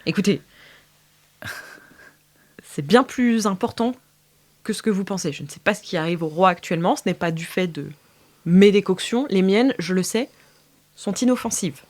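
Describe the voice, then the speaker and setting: A woman's voice: mid-range voice, normal speed, pauses often, a little mellow, pitched below the performer's own voice, natural voice. A woman playing a cornered potion maker in an improvised role-play, hesitant and defensive as she bargains for her life. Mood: guarded.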